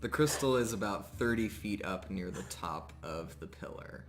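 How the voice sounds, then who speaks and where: A man working as game master, improvising descriptive narration for a tabletop game in a relaxed, pausing way. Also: on the low side.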